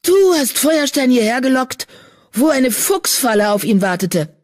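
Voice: mid-range voice, expressive, unhurried, pitched above the performer's own voice, natural voice. An audiobook reader voicing a loyal young male warrior cat who speaks urgently and with outrage.

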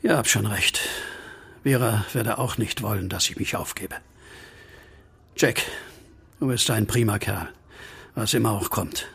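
An actor playing a troubled, grieving widower in a horror radio play, brooding and heavy-hearted. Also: male voice, lowish voice, unhurried, vocal fry, pauses often, fairly bright tone, breathy edge, no room sound, exaggerated voice. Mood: resigned, sincere. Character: troubled, grieving widower just released from asylum. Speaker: lead actor and first-person narrator. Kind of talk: German horror audio drama acting.

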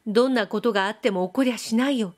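A woman's voice: fairly high pitch, fast, a little mellow, lightly acted. Woman reading as an earnest young samurai. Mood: earnest, firm. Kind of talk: audiobook reading.

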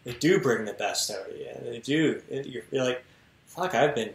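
A man's voice: mid-range voice, moderate pace. A man in his thirties co-hosting a fitness podcast, talking earnestly and swearing casually, speaking through an earbud mic on a video call from home. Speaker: podcast co-host. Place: home room with bookshelves, indoors. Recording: echoey room.

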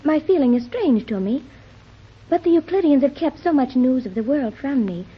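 A woman's voice: high-pitched, lively intonation, moderate pace, highs cut off. An actress playing a precise, formal fifteen-year-old girl in a 1930s radio drama, speaking in a detached, proper manner.

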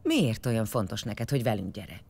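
An actress playing a middle-aged, foul-mouthed tribal warrior leader in an audio drama, blunt, scornful and commanding. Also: female voice, a bass voice, sing-song, creaky, a little mellow, husky, exaggerated voice. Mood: stern, blunt.

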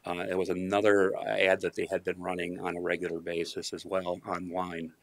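Low, gravelly man at a podium. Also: monotone. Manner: measured, polite, uses fillers. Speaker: county HR director presenting budget. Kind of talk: formal budget presentation. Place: county commission meeting room. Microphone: podium mic.

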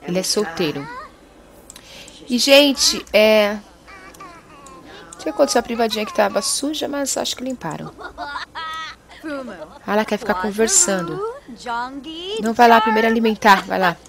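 Excitable woman gaming host. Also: mid-range voice, normal speed, vocal fry, long pauses, crowd noise. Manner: chatty and excitable, exclaiming to viewers. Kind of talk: casual let's-play commentary.

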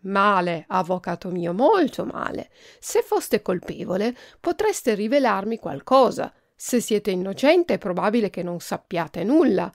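Storybook prince: woman doing a cruel, sneering man, gravelly, dry close recording. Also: mid-range voice, sing-song, measured pace, hardly any pauses, no echo. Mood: menacing. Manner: mocking, menacing.

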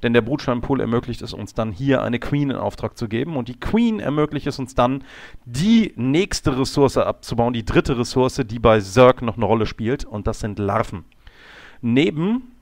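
A man with a slight cold and a slightly hoarse voice, explaining a game replay calmly, often pausing on fillers and correcting himself. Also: medium pitch, dry recording. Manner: calm, explanatory, with frequent fillers and self-corrections. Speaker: game coach. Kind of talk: instructional commentary over a game replay.

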